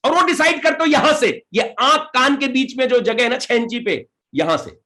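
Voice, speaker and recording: A man with an Indian English accent giving a motivational seminar talk as a direct selling leader. He speaks slow, deliberate English, switches into rapid Hindi, and rallies his audience with questions. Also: extremely high pitch, very animated, bright, forceful tone.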